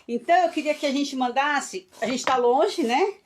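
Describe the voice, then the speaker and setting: A woman from Brazil with a fairly high voice talks with her audience in a live online session about play in early childhood education. She speaks chattily, peppering her sentences with tag questions, and becomes animated whenever she leads a game. A faint hiss sits under her voice. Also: moderate pace. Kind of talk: live online talk with hands-on activities.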